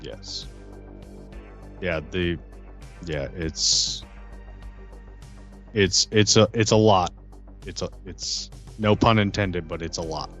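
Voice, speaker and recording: A very low, slightly dull recording of an earnest vampire insider, played by a man. He talks haltingly and guardedly, circling back over his phrases in a role-play game. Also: a bit bright, faint music behind. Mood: uneasy, confiding. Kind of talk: improvised role-play dialogue.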